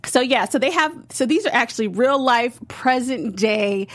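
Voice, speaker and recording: A woman's voice: a little high, expressive, moderate pace, fairly bright tone, no room sound. Chatty woman reviewing a TV show. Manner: chatty, frequent fillers and laughs. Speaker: podcast co-host. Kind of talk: casual TV review chat.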